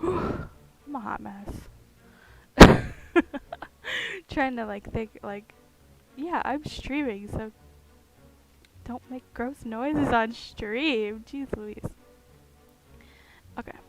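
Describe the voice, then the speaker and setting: A woman's voice: on the high side, drawn-out words, gravelly, long pauses, poor audio. A woman chatting casually on a live stream while she carves, with a groggy morning voice, giggling, rambling and humming to herself. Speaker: streamer carving pumpkins. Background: music playing in the background.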